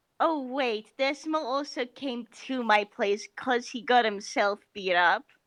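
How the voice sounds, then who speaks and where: A female-sounding voice puts on a character voice at a high pitch. The pace is fairly slow, with hardly any pauses. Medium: actual play. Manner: earnest, wears feelings openly.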